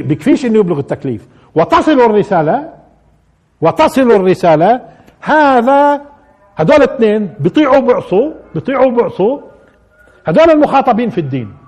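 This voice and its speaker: A man's voice: very high voice, husky. A man giving a live religious commentary lesson, repeating key phrases and putting rhetorical questions to his listeners. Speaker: religious teacher.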